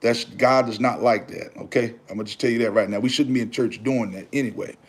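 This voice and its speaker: A man in his thirties hosting a casual livestream, talking faith with his viewers. He preaches in an easy, repetitive way and calls out to them as brother and y'all. His voice sits at an ordinary middle pitch. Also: fairly even intonation, fast talker. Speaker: livestream host.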